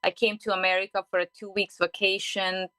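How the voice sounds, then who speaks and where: A woman in her forties from Hungary with a Hungarian accent, a diving guest telling her story in an animated radio interview. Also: mid-range voice, a little fast, dry recording, poor audio. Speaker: guest, underwater safety diver. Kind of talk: interview conversation. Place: radio studio.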